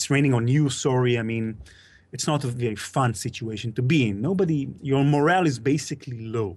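A man with an Israeli accent, medium in pitch, ordinary pitch variation, a fairly quick pace, and a quiet background. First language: Hebrew. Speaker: podcast host and producer. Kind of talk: interview. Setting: video call.

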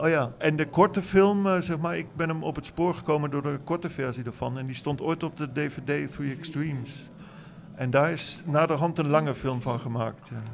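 In an ordinary speaking voice, a man talks at a moderate pace, his fairly high pitch showing ordinary variation. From Germany. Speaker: film festival organiser. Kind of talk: live interview. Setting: stage with audience.

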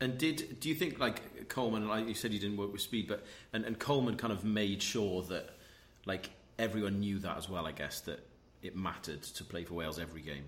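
In a normal speaking voice, a man talks at a fairly quick pace with a fairly low pitch and lively intonation. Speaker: podcast host. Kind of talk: podcast interview.

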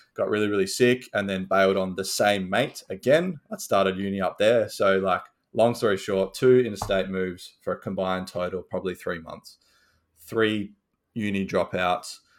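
A man speaks at a moderate pace with an Australian accent. The recording is very clean, with a silent background. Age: 20s. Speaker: coach. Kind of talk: casual chat.

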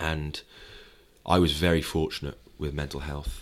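A man speaks in a very deep, low pitch with vocal fry and monotone, flat intonation. His pace is moderate, and the recording is very clean with a silent background. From Wales. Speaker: entrepreneur and speaker. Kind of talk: casual interview.

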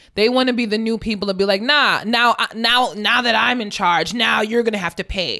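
With hardly any pauses, a woman speaks at a fairly quick pace in a fairly high voice with fairly even intonation, against noticeable background noise. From Caribbean family. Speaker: comedian and actress. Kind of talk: casual chat. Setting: studio.

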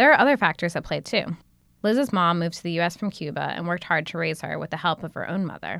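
A woman with an American accent speaks at a very fast pace in a fairly low pitch with some vocal fry and ordinary pitch variation, on a very clean recording with a silent background. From Scranton, Pennsylvania, US. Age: 30s. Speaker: magazine writer. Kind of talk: reading aloud of a personal essay.

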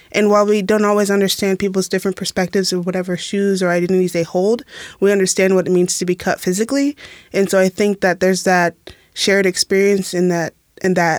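A woman with an American accent and an unremarkable speaking voice talks fairly quickly at a medium pitch, her intonation fairly even, recorded dry and close with no echo. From US Pacific Northwest, Tacoma. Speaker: educational specialist for foster youth. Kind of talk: casual roundtable discussion.

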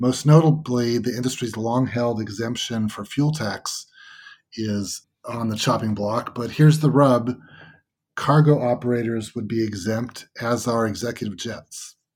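With a normal speaking voice, a man talks at a fairly slow pace and medium pitch, keeping his intonation fairly even. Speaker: podcast host. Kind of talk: casual chat.

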